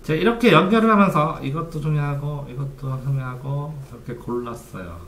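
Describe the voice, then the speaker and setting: A man's voice: on the high side, brisk, fairly bright tone. A man teaching a study method in steps, asking his listeners questions and then answering them himself. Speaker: study coach. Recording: echoey room, faint background noise.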